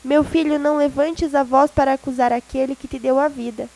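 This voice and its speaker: A woman reads a long-suffering, saintly mother who speaks with mild gentleness, in a storybook reading. Her voice sits high and light. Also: steady tone, fairly quick, low-quality recording. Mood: gentle.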